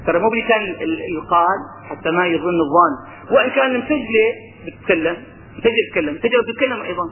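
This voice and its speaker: Levantine male religious teacher with a high voice, lively and questioning, on a lo-fi tinny recording. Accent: Levantine Arabic. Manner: lively, mixes colloquial talk with recited verses, asks rhetorical questions. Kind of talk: religious lesson.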